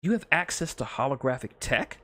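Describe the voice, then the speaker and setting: A man voicing an excitable, nerdy male scientist, eager, polite and slightly hesitant, in a story read aloud. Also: mid-range voice, a little fast, no room sound, pitched above the performer's own voice.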